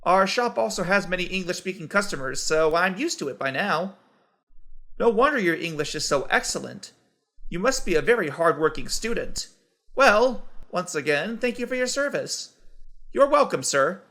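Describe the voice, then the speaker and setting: A man reading scripted everyday conversations for English learners, in a clear, evenly paced textbook delivery. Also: sits high, big pitch swings, normal speed, bright, forceful tone. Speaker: dialogue voice for English practice.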